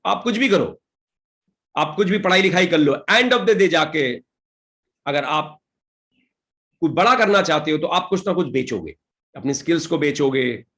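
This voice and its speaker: High-voiced man giving a sales training. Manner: switches between Hindi and English, reads out participants' answers with quick praise. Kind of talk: online training session.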